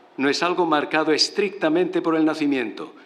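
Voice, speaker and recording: Noticeable background noise and audible room echo are present in the recording. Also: man. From Málaga, southern Spain. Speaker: preacher. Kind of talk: sermon. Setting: church.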